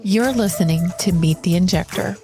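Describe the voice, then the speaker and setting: A woman reading a scripted podcast introduction in a smooth, measured way. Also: fairly low pitch, dark tone. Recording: voice over clear music.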